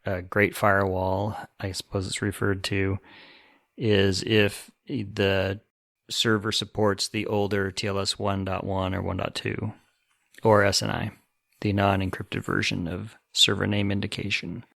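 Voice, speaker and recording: Male tech podcast co-host, flat intonation, fry in the voice, casual news discussion, dry sound. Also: lowish voice, measured pace, no echo.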